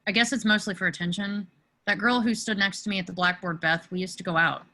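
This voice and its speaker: A woman's voice: mid-range voice, steady tone, fast, sharp tone. A woman playing a hapless, self-deprecating teenage boy in an amateur script read over a video call. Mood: self-deprecating, awkward.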